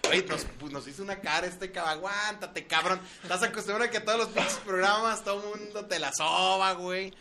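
A Mexican man hosting lively comedic radio banter in a teasing, foul-mouthed, exuberant manner. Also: high-pitched, fairly quick, creaky, few pauses, very noisy. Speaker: radio show host.

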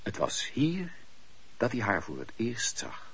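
A man narrating a radio play as an expressive, theatrical storyteller. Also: mid-range voice, unhurried, breathy edge, exaggerated voice. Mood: storytelling. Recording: dull lo-fi radio play recording.

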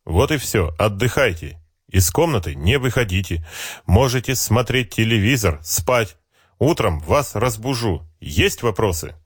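A man voicing a cheerful, heavy-set older army officer who says each word slowly and deliberately. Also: fairly low pitch, animated, husky, no room sound, clean studio sound. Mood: cordial, businesslike. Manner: friendly, brisk, matter-of-fact.

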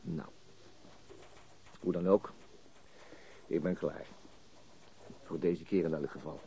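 An actor playing a weary, unflappable police detective in a radio crime drama, with a dry, laconic manner. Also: male voice, low voice, fairly even intonation, slow, warm tone, slightly rough, full character voice, low-quality recording. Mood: dry, composed.

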